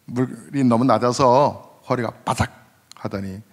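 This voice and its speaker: Male pastor in his fifties, mid-pitched, telling a story from the pulpit in a chatty way, church reverb. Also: a little slow. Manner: conversational, asks the congregation questions, swells in pitch at emotional peaks. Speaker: senior pastor. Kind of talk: sermon with personal storytelling. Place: church sanctuary. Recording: long hall reverb.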